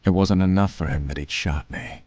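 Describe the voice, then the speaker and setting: An actor playing a weary, guarded war veteran in an audio drama, speaking haltingly with understatement. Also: male voice, deep voice, a little mellow, dry recording. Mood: grim, haunted.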